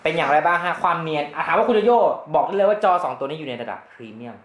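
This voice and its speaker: A man hosting a casual phone comparison in a phone shop, chatty and animated as he hypes results. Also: a little high, rapid-fire. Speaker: tech review host. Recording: echoey room with faint music.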